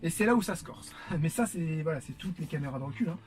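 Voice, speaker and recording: Faint music plays behind this French vlogger, whose voice is on the high side, animated and quick. He unboxes while chatting to viewers, full of fillers and warm greetings.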